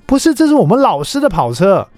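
A man putting on the voice of an eager, excited kindergarten boy who blurts out exclamations, in a radio studio. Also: high voice, fast, no room sound, faint music behind, voice pushed up.

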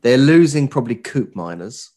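A young man co-hosting a casual podcast, nasal from a cold, relaxed and wry, often trailing off quietly. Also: medium pitch, normal speed. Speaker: podcast co-host. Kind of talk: casual chat.

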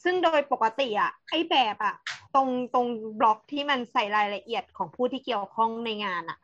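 A woman's voice: on the high side, expressive, a little fast, a bit bright, lo-fi sound. A woman co-hosting a casual podcast, explaining professional details in a matter-of-fact way.

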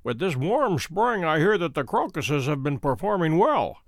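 A man doing a calm, dry-witted detective. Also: fairly high pitch, moderate pace, gravelly, no room sound. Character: cool, witty adult male detective, calm and bland.

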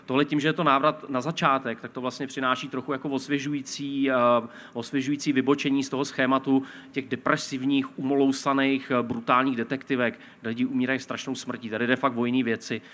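A man's voice: medium pitch, level tone, hardly any pauses, fairly bright tone, slight background noise. A man co-hosting a live film podcast on stage, talking in long, analytical sentences. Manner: wordy, analytical. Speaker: podcast co-host, film critic.

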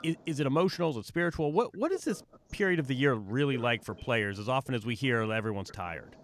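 A man hosting an interview, asking halting, stammering questions in a casual tone. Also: medium pitch, animated, slight background noise. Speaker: podcast host.

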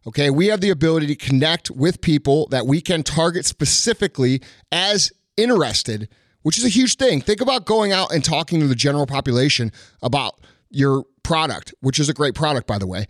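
A man's voice: a little high, lively intonation, a little fast, no echo, clean studio sound. A man giving casual motivational business advice as a podcast host, blunt and sweary.

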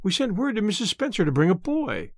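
A brisk, stern older farm woman, as a man reading the book puts her on, talking in a clipped, no-nonsense way. The pitch moves a lot, and the sound is close and dry. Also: sing-song, slightly rough, no echo, heavily acted. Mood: insistent.

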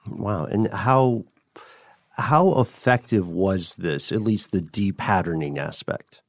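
A man speaks in a fairly low voice. The recording is close and dry, with very little room around him. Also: animated, takes it slowly, dry recording.

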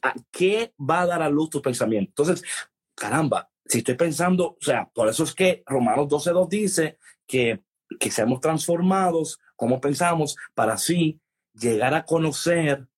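A man co-hosting a casual Bible discussion, animated and full of restarts, mixing English phrases into his Spanish. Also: on the high side, normal speed, husky. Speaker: co-host of a Bible talk show.

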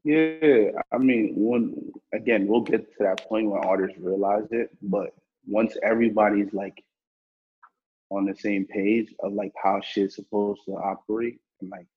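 Slangy husky young man, muffled sound. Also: fairly low pitch, steady tone, a little slow. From New York. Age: 20s. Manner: slangy, profane, loose and laid-back. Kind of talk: casual interview chat.

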